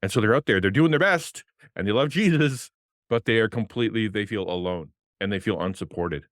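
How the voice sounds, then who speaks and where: A middle-aged man and former pastor with a deep voice, talking passionately as a guest on a video-call podcast at a desk mic. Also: a little fast, no echo, studio quality. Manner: passionate, animated, gestures with hands. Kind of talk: casual interview talk. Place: home streaming room with colored lights. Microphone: desk podcast mic on arm, headphones.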